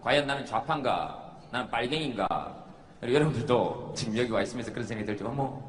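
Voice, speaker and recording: A man giving a comedic stage talk to a live audience, an animated storyteller who acts out the voices he quotes. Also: mid-range voice, fast. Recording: long hall reverb.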